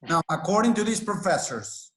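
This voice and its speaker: A man's voice: high-pitched, lively intonation, moderate pace, fairly bright tone, roomy sound, low-quality recording. A man from Venezuela interviewing a guest in conversation, skeptical and telling stories to make his point. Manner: skeptical, storytelling, laughs while questioning.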